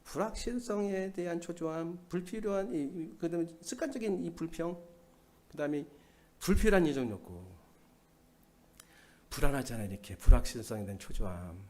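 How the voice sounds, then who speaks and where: A middle-aged man preaching a sermon in a church, asking the congregation questions and answering them himself, with loud bursts and quiet asides. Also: on the high side, a little fast. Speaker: pastor. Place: church sanctuary.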